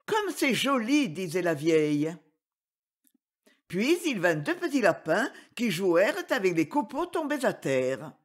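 Woman audiobook reader, gentle storybook narration, unhurried and melodic. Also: on the low side, big pitch swings. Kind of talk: storybook reading for children.

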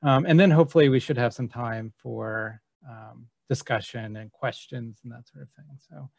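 A man giving an academic conference presentation over a video call, relaxed and hesitant with many fillers. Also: medium pitch, moderate pace, vocal fry, no room sound.

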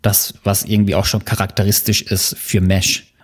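A man hosting his own channel, giving a relaxed, casual product review with plenty of fillers. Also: lowish voice, normal speed. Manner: relaxed, explanatory, with many fillers. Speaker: channel host reviewing motorcycle intercoms.

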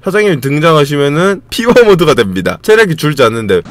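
A young man commenting casually on a game he is playing. He reads the on-screen text in a flat lower voice, then gets excited, yells and swears at the game. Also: fast talker, noisy background. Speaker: game streamer.

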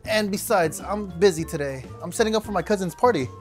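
A man's voice: high voice, fast, faint music behind. A young man in a comedy sketch, passionately explaining a dish and teasing his friend with dry put-downs.

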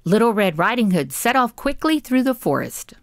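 A woman's voice: a little high, big pitch swings, moderate pace, no echo, clean studio sound. A woman narrating a scripted children's story as the storyteller.

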